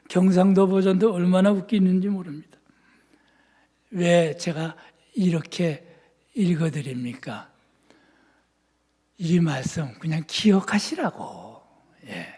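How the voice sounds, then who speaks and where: A pastor from Seoul with a high-pitched voice delivers his sermon, climbing into fervent shouts and then sinking into soft, quiet asides. His voice rings through a church sanctuary with a long, lingering reverb. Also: slightly rough.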